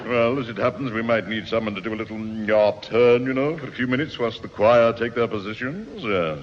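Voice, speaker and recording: An actor playing a dry, hesitant schoolmaster in a 1960s radio comedy, hemming and humming between sarcastic put-downs. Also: male voice, medium pitch, fairly quick, lightly acted. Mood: hesitant, reluctant. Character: dry, hesitant English schoolmaster, easily exasperated. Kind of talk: 1960s radio sitcom acting. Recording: reverberant, muffled, noisy 1960s radio recording.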